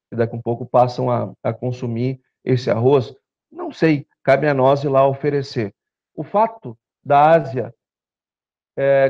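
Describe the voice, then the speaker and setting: Gravelly-voiced man lecturing in a hall. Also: on the high side. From southern Brazil. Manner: animated, gestures while presenting slides, rhetorical asides. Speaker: chief economist giving a seminar talk. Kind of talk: conference lecture. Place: meeting room with projector screen, indoors. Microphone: handheld mic, filmed by a far camera. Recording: dull lo-fi room recording.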